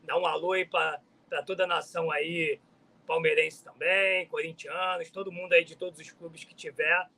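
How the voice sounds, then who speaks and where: Bright, upbeat man guesting. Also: a little high, level tone, moderate pace, creaky, rough recording. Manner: upbeat, friendly greetings and plugs. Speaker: guest channel host, Flamengo fan. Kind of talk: casual football chat.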